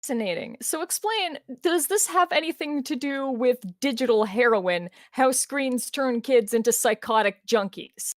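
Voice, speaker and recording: A woman's voice: high-pitched, normal speed, few pauses, dry recording, studio quality. A woman co-hosting a casual podcast chat, using a playful, mock-serious tone.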